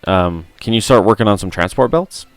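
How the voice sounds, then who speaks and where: A tired, hoarse man with a gruff, rough voice streaming a game, chatting and muttering to himself on a close mic. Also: on the low side, brisk, no echo, soft background music. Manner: mutters to himself while playing. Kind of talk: casual gameplay stream chat. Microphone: close studio mic.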